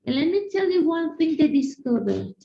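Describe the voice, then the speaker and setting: A woman teacher from Mexico with a Mexican Spanish accent, giving an animated online conference talk and speaking directly to her audience. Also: high voice, normal speed, gravelly. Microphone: video call. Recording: echoey room, dull lo-fi sound.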